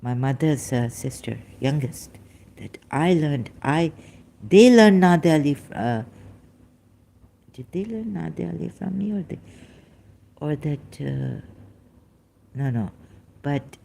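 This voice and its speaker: A speaker in their fifties from Pakistan, rambling on a livestream in a weak, tired voice, halting and restarting often. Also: mid-range voice, animated, creaky, warm tone, a little hiss or hum. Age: 50s. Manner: halting, with many restarts and fillers.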